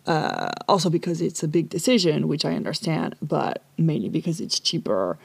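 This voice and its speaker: A Parisian woman hosts a solo podcast from a small closet crammed with dresses and magazines, chatting in a loose, rambling way and swearing freely. Her low voice is expressive, gravelly and slightly rough, at a normal pace, and the recording sounds dry.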